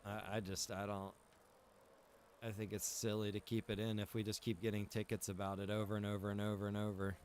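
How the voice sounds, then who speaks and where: A man's voice: fairly low pitch, level tone, fairly quick, darkish tone, slight background noise. A man giving casual, rambling livestream commentary while gaming, repeating phrases for emphasis. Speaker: game streamer and roleplay server co-owner.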